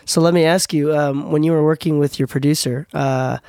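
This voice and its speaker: Hoarse man hosting, voice giving out. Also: on the high side, fairly even intonation, brisk, darkish tone, no echo, studio quality. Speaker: podcast host. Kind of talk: casual interview.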